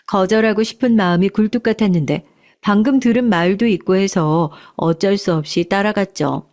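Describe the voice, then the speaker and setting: A woman narrating a first-person story in a calm, measured way. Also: mid-range voice.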